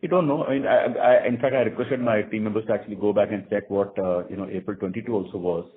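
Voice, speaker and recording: Indian guy exec on an earnings call, explains stuff haltingly, repeats words, thin phone audio. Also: on the low side, steady tone, a little hiss or hum. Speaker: bank executive answering analysts' questions. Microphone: conference call phone line. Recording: narrow tinny phone line.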